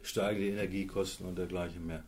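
A man in his sixties, a sales manager, speaks as a radio guest in an earnest, measured way. His voice sits somewhat low, with a faint hiss in the background. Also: level tone, darkish tone. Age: 60s. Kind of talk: radio interview.

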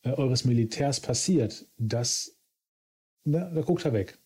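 A man's voice: mid-range voice, expressive, takes it slowly, a little mellow, slightly rough. A man co-hosting a podcast, arguing his point casually and tagging sentences with questions. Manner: argumentative, tags sentences with "ne?". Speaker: podcast co-host.

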